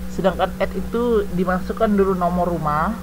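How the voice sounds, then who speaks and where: Man teaching english w indonesian accent, highish voice, repeats everything slow, bit of background noise. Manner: explains slowly, repeating each phrase in Indonesian. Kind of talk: classroom lesson explaining English phrases.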